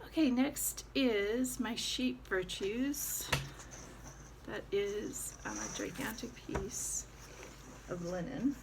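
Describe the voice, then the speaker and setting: A woman talks through her stitching projects in a relaxed, rambling way, full of little fillers. Her voice has a gravelly fry at the edges, and a faint hiss sits under the recording. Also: a little high, takes it slowly. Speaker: cross-stitch vlogger. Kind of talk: casual show-and-tell chat.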